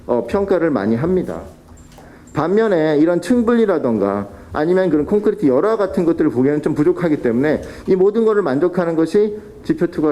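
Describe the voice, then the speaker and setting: A man's voice: on the high side, dark tone. A man presenting at a policy forum, explaining technical methods with fillers and restarts. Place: council hall.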